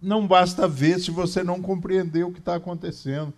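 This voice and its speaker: Higher-pitched Brazilian man giving a lecture. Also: steady tone, a little fast, a little mellow. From Minas Gerais, Brazil. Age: 50s. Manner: didactic, repeats key phrases for emphasis. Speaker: lecturer at a Spiritist centre. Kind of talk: religious lecture with conversational asides. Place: small meeting room, indoors.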